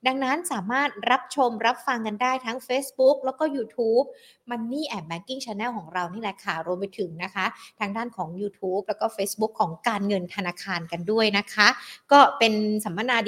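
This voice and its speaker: A young woman hosting a stock market live stream, a little hoarse, chatting politely and greeting viewers. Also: a little high, normal speed. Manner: polite, chatty, peppered with soft sentence particles. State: slightly hoarse. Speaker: host of a stock market show.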